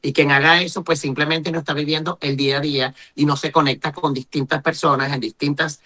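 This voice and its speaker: Man, interview guest, emphatic, rhetorical questions, bright tense voice. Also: on the high side, level tone, fairly quick. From Venezuela. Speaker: journalist and human rights activist, interview guest. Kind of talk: impassioned interview answer.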